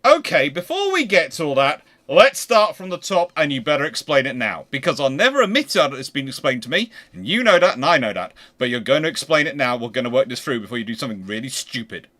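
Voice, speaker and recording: A man's voice: mid-range voice, very animated, fast talker, hardly any pauses, bright, forceful tone. A man hosting a casual history panel discussion in a conversational way.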